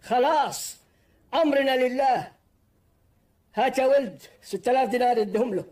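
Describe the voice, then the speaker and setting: A put-upon merchant in a historical film. His voice is very high. He sounds resigned and complies grudgingly. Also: moderate pace, a little mellow.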